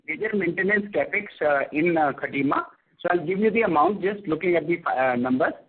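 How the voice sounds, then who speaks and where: A man with an Indian accent answering analyst questions as a finance executive on an earnings call, reciting figures haltingly over the phone. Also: fairly high pitch, animated, breathy edge. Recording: tinny narrowband conference phone line.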